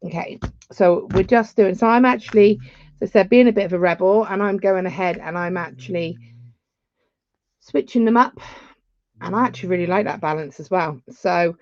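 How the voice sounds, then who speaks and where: A woman's voice: mid-range voice, normal speed, a little mellow, no echo, lo-fi sound. A woman, giving a chatty live beading tutorial with rambling asides. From England.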